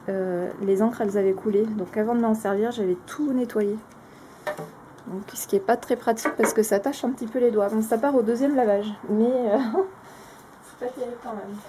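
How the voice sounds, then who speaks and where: Speaking frankly with a mellow, medium-pitched voice, a woman casually reviews craft products on camera, giving plain opinions. Her talk is full of hesitant filler sounds and restarts, and a little hiss or hum sits under the audio.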